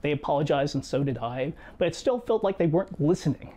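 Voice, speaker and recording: A man in his thirties reading a scripted personal video essay in a measured, reflective way, seated in a small home studio. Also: a little high, expressive. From United States. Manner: measured, reflective storytelling with quiet asides. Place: small home studio room with guitars and shelves.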